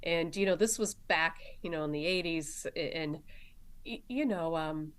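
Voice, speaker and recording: A woman in her forties with a softened Boston accent, a podcast guest who tells family stories in a chatty way and laughs often. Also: low-pitched, moderate pace, smooth. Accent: Boston, softened by years in Arkansas. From Massachusetts, Boston area. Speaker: guest, nurse practitioner. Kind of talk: casual storytelling chat.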